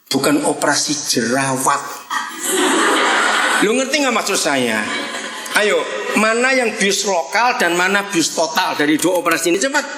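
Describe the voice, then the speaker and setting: An older man preaching a lively, joking sermon to a congregation, swinging between loud bursts and quiet asides. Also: sits high, echoey room, heavy background noise.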